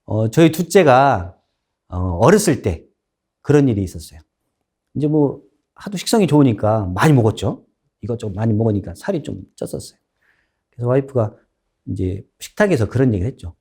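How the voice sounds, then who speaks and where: A man's voice: mid-range voice, brisk, long pauses, husky. A man giving a lecture on speaking kindly, weaving in stories. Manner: animated, storytelling. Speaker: instructor. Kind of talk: lecture with storytelling.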